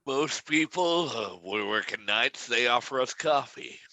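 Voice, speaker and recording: Film table read: actor as gruff older policeman, sharp-edged voice, dry humour, no room sound. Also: medium pitch, animated, measured pace, dry recording, poor audio.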